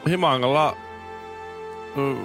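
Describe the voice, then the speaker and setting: A man's voice: medium pitch, over music. A man in his thirties co-hosting a morning radio show, talking in a hesitant, rambling way. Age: 30s. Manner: hesitant, rambling, many restarts. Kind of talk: casual radio chat. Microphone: studio microphone.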